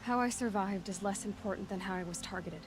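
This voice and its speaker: A woman's voice: medium pitch, brisk, noisy background, lightly acted. A woman voicing a determined, blunt young female tribal warrior in a video game. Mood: firm. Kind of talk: cinematic video game acting.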